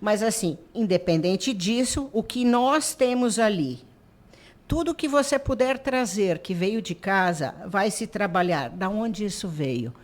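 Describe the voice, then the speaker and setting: A woman, president of an artisan association, telling animated stories in a radio interview and acting out quoted dialogue. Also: medium pitch, measured pace. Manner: animated storyteller who acts out quoted dialogue.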